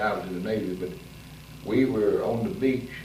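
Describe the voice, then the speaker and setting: Noticeable background noise sits under this man's voice. His pace is fairly quick. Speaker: war veteran. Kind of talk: interview answer. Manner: old.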